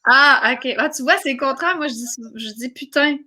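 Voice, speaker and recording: A woman's voice: sits high, normal speed, pushed and bright. A woman with a Québécois accent, a guest musician chatting in an interview, effusive and full of hesitations and restarts. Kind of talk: casual interview chat.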